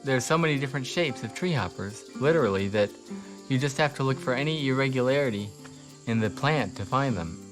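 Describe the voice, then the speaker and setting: A man's voice: medium pitch, expressive, brisk, music in the background. A man talking casually in a documentary interview as a field researcher.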